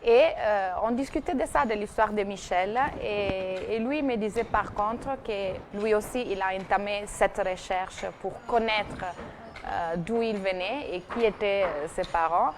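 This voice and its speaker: Woman presenter telling a story haltingly. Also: mid-range voice. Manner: hesitant, many fillers and restarts. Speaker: TV segment presenter. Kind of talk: recounting a guest's story on a TV talk show. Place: TV studio. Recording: TV studio broadcast with faint noise.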